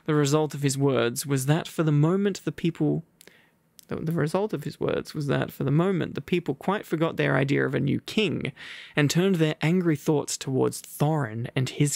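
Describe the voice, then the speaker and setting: A young man reading a book aloud in a soft, relaxed ASMR style, drowsy, with muttered asides. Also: a little high, normal speed, vocal fry, no echo. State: drowsy after a heavy meal. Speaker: ASMR roleplay storyteller.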